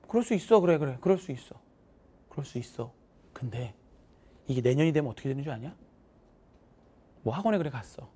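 A woman's voice: deep voice, a little mellow. A woman math teacher giving students a chatty, motivational talk, acting out voices as she tells stories.

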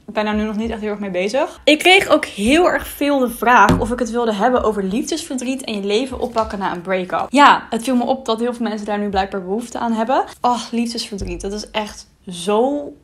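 A woman's voice: on the high side, a little fast, few pauses, a bit bright. A woman in her twenties chatting casually in a vlog as she eats, at times talking with her mouth full. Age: 20s. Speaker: vlogger. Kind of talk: casual girl talk mukbang vlog. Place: small bright room indoors, seated at a table.

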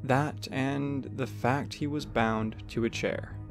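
A man's voice: mid-range voice, steady tone, slow pace, soft background music. A man reading scripted story narration for an audio drama.

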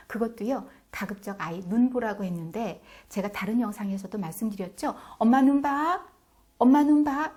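A woman's voice: mid-range voice, dark tone. A middle-aged woman giving parenting advice to camera in an emphatic way, acting out scolding mothers and dropping into whispered asides. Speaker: parenting educator.

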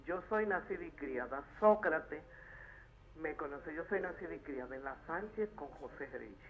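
A woman with a Dominican accent phoning in to a show and recounting things in a casual, halting way. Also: low voice, lively intonation. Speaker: phone-in caller. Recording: muffled call into studio.

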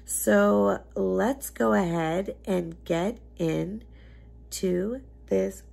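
A woman's voice: mid-range voice, very slow, gravelly, a little mellow. A young woman beauty vlogger chatting casually to camera from her couch, her voice scratchy as she is losing it, talking in a rambling, emphatic way. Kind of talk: casual makeup chat to camera. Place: living room couch indoors.

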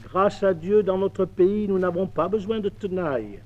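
A man doing a calm, humble boy apprentice. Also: high-pitched, normal speed, natural voice. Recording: dull 1950s mono record.

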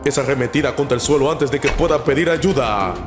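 A man narrating a fight as a theatrical, bombastic commentator in an excited ringside announcing style. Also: medium pitch, a little fast. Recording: reverberant hall-like echo with music. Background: music.

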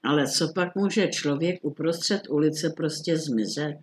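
A man voicing a nervous middle-aged townsman who speaks in an excited, trembling, insistent way. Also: on the high side, lightly acted. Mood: agitated.

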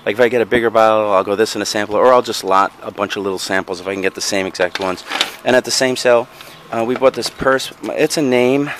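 A lower-pitched man chats his way through a show-and-tell of his purchases, hedging and correcting himself as he goes. He is recorded outdoors on a handheld camera mic. Faint outdoor noise and passing vehicles sit under his voice. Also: fast talker, a bit bright. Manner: rambling, frequent ums and self-corrections. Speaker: vlogger showing resale finds. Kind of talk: casual show-and-tell narration. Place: outdoors in a backyard patio.

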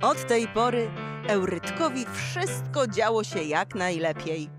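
A woman narrates an audio play for children. Her medium-pitched voice moves expressively and slowly over loud music. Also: very animated. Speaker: storyteller narrator.

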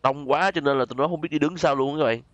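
A man's voice: on the high side, fast talker, dry recording, muffled recording. Southern Vietnamese man doing game commentary. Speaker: gaming video host. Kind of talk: casual gameplay commentary addressed to viewers.

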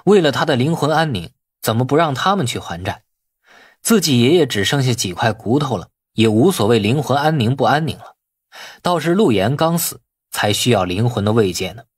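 A man's voice: mid-range voice, expressive, a little fast, breathy edge, no echo, studio quality. A man voicing a wily, outwardly deferential nephew in an audiobook, glib and colloquial in his arguing. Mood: indignant muttering. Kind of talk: audiobook character acting.

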